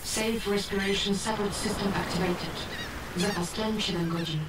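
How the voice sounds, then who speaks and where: An impersonal female onboard computer, played by an actress in a radio drama. She announces procedures calmly and evenly in a mid-pitched voice. Heavy vehicle-like noise runs behind her. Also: moderate pace, close to an everyday voice.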